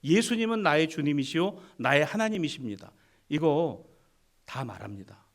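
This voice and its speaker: A male pastor preaching a sermon, animated and teasing, with sudden drops to a hush. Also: fairly high pitch, moderate pace. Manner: animated preaching, swings from loud to hushed, teasing the congregation.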